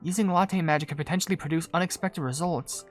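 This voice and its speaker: A woman's voice: lowish voice, fast, faint music behind, close to an everyday voice. A woman voicing a polite, humble young female perfumer in cartoon game dialogue. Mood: earnest, polite.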